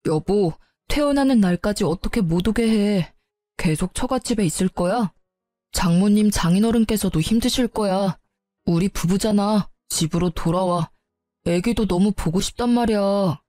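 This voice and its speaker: A regretful young husband pleads for forgiveness as a woman reader takes him on. The tone is mellow and warm, close and dry, with faint music under it. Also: mid-range voice, normal speed, dry recording, natural voice. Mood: pleading. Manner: begging, apologetic.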